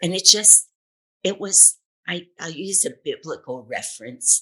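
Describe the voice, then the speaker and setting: The speaker has an American accent and lively intonation. The pace is fairly slow. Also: woman. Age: 70s. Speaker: physician and spiritual director. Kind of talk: interview.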